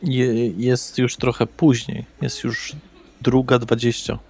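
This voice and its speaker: A man's voice: mid-range voice, level tone, slow, gravelly, darkish tone, soft background music. A man narrating a role-playing game as the game master.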